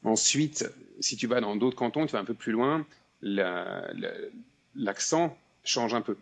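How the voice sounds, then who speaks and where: A man's voice: mid-range voice, lively intonation, unhurried, vocal fry. A man with a Swiss French accent from Geneva, a podcast guest chatting casually and hesitantly, with many restarts. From Switzerland. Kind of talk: casual interview chat.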